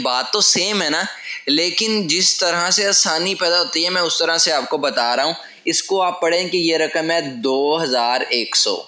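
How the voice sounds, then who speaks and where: A man's voice: on the high side, sharp tone. Patient man teaching step by step. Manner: patient, step-by-step, repeating key phrases. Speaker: language teacher. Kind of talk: whiteboard lesson explanation. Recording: echoey room.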